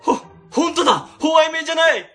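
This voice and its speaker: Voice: high voice, quick pace, bright, forceful tone, soft background music. An actor playing a timid, easily frightened section chief who stammers, in an amateur web radio drama. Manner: stammering, jumpy.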